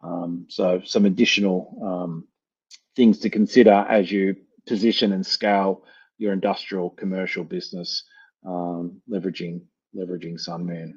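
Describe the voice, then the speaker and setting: A man with an Australian accent presenting in a webinar and answering questions, often pausing with ums and repeating words as he explains. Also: deep voice, level tone, slightly rough, dull audio. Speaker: company presenter.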